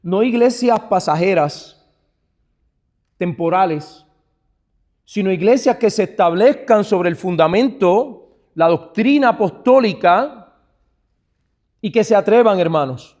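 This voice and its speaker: Puerto rican man teaching pastors, kinda high voice, keeps saying brother, quiet asides then emphatic bits. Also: animated, slow, long pauses. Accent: Puerto Rican Spanish. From Puerto Rico. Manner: addresses listeners as brother, asks rhetorical questions; swings from hushed asides to emphatic stressed phrases. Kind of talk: church teaching talk.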